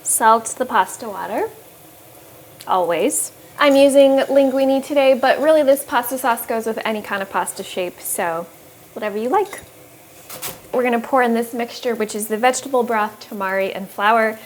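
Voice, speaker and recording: A woman's voice: fairly high pitch, normal speed, a little hiss or hum. A young woman in her twenties hosting a casual cooking video in her home kitchen, chatty and upbeat as she explains each step. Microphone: small lapel mic.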